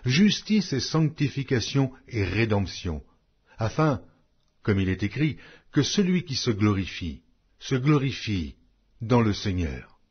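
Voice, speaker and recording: A man reads scripture as an audiobook narrator, in a solemn, measured, declamatory way with deliberate pauses. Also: mid-range voice, very animated, slightly rough, dull audio. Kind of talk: solemn scripted Bible reading.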